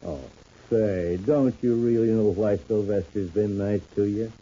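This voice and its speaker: A man's voice: on the low side, fairly even intonation, a little slow, dark tone. An actor playing a folksy, protective country man with homespun phrasing in a vintage radio soap. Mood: confiding. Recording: muffled old radio recording.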